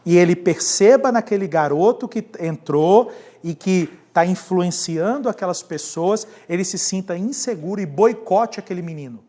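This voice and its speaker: Lecturing on leadership in a classroom, a pastor speaks at a moderate pace in a voice that sits high. His delivery is animated, he repeats certain key words, and he keeps questioning the students as he talks.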